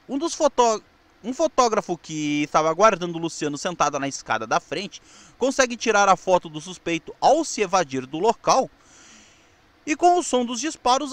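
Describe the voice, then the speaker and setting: A Brazilian man with a notably high voice narrates like the host of a retro review show. His reading is informal and a little stumbling, and the sound is dry and close. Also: fairly bright tone, dry recording. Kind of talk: semi-scripted narration recapping a telenovela.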